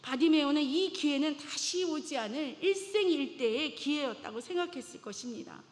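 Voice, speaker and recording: A woman's voice: high-pitched, animated, moderate pace. A woman preaching a sermon in a church, telling a Bible story dramatically and acting out the voices in it. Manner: dramatic, acts out biblical voices. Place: church sanctuary. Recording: long reverb of a church hall.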